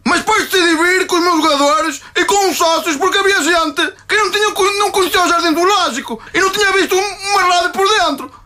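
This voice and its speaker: A man putting on a squeaky, shrill football club president with a European Portuguese accent, rambling and defensive, forever protesting and chuckling to himself. The voice sits extremely high and bright and cutting, a radio comedy caricature. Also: fast talker, few pauses. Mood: indignant. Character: blustering provincial male football club president.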